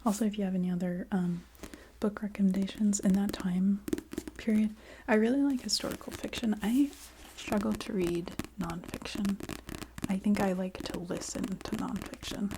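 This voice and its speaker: A woman chatting casually in a soft ASMR voice that often drops into a whisper. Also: mid-range voice, fairly even intonation, normal speed, background noise. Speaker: ASMR video creator. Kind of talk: soft-spoken ASMR, casual rambling chat.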